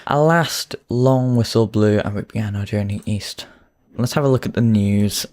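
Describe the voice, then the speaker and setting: Man reading game text aloud, lowish. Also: normal speed, a little mellow. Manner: reads narration in a slightly theatrical way, jokes and stumbles over words. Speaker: game player narrating a story game.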